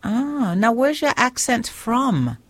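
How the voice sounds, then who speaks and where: A woman's voice: fairly high pitch, sing-song, takes it slowly, slight background noise. A woman hosting a Christian radio interview program, speaking in an earnest, preaching tone and reading scripture aloud. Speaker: radio show host.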